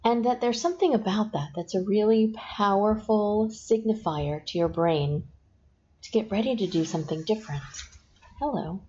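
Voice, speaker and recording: A woman hypnotist eases the listener into trance with slow, gentle suggestions she repeats, her voice low and mellow. The audio of this guided hypnosis session is dull and lo-fi, with a faint hiss beneath it.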